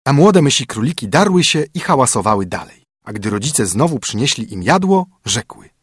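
A man narrates a fairy tale for children on the radio with husky, animated delivery. The sound is dry and close, his pitch rising and falling freely. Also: brisk, dry recording. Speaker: storyteller.

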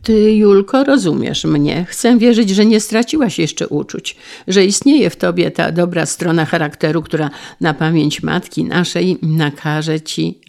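A woman's voice: lowish voice, unhurried, creaky, darkish tone. A woman voicing a desperate young man who pleads with his sister in an impassioned, trembling way, in a dramatized reading. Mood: pleading.

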